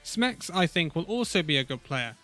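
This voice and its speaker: A man who is a little ill and losing his voice gives an opinionated, conversational esports roundup with pauses. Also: a little high, very animated, bright, forceful tone, soft background music. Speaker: esports video host. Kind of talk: casual esports commentary vlog.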